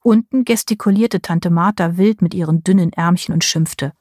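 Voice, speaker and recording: Woman narrator, audiobook, first person, husky, measured, dry close sound. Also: fairly low pitch, darkish tone, no echo. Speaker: audiobook reader.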